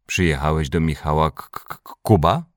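A man's voice: a bass voice, moderate pace, no room sound, studio quality. A man voicing an eager young boy who teases by mimicking a stutter. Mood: cheerful.

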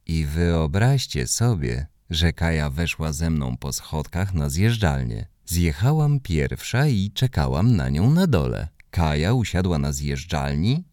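A man reading a children's story aloud in the first person, expressive and animated. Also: a bass voice, unhurried, few pauses, no echo, studio quality. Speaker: narrator.

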